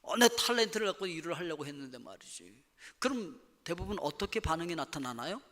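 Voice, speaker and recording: A high-pitched male pastor with a bright, forceful voice preaches with real animation, suddenly shouting out the complaints he quotes. His voice rings through a large church hall with a long, trailing reverb. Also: very animated, a little fast. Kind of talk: sermon. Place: church sanctuary.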